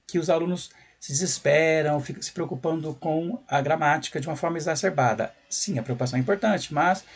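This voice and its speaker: A Brazilian Portuguese-accented man teaches in a chatty, explanatory way. His voice sits a little high and has a husky, slightly rough grain. He keeps tossing rhetorical questions to the viewer. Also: a little mellow. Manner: conversational, rhetorical questions, frequent tag "né". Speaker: English teacher. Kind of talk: explanatory video lesson.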